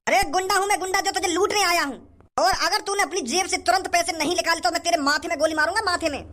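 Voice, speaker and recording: A man's voice: extremely high pitch, fast talker, pushed and bright. A man voicing a blustering male street goon who threatens to rob someone. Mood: menacing.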